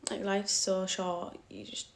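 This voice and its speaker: A blunt woman from Cumbria, England, chats casually on a live stream recorded on her phone, answering comments, laughing easily and brushing off trolls dismissively. Her mid-range voice is gravelly and unhurried, with big pitch swings.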